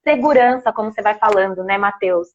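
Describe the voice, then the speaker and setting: A woman hosting a live interview, thinking aloud with frequent pauses and restarts as she frames her questions. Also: mid-range voice, lo-fi sound. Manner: thinks aloud with many hesitations. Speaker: host.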